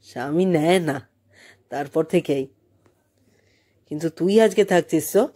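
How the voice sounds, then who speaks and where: Woman reader as married man, matter-of-fact friend, lowish mellow voice, familiar tone, audiobook story. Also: a little slow, breathy edge.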